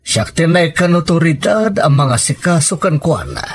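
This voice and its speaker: A man playing a grave, protective uncle in an audio drama, speaking in a solemn, measured, reassuring way. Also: on the high side, sing-song, breathy edge. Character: grave, protective uncle guarding a family secret. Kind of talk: emotional audio drama acting. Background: background music.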